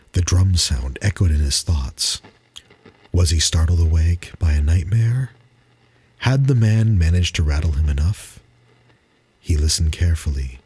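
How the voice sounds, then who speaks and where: A man gives a dramatic, suspenseful reading of a spooky story, taking it slow and deliberate with dramatic pauses. His voice sits low, with a dark, slightly rough tone.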